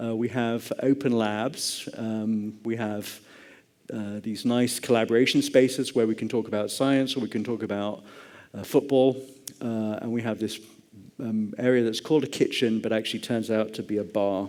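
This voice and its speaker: Fairly even intonation marks this man's speech in a British accent. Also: medium pitch for a man, moderate pace. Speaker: professor and HIV researcher. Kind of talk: lecture. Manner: hesitant, many fillers.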